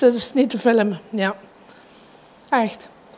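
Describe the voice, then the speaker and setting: A woman talks at a very slow pace. Her intonation is fairly even. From Heerlen, Netherlands. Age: 70s. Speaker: hairdresser. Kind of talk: interview answer. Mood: indignant, animated retelling. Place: shop. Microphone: lapel.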